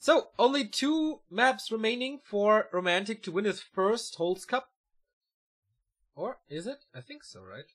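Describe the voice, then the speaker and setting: Bright high-voiced male game caster. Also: slightly rough. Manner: fast, excitable play-by-play that climbs when the action peaks; chatty and relaxed between matches, talks to viewers. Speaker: esports caster. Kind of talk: live video game match commentary.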